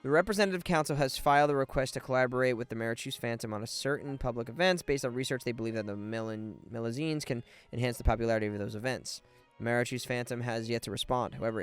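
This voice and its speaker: A man's voice: medium pitch, smooth. A man live streaming a video game, chatty and informal, sometimes stumbling as he reads aloud, with game music behind.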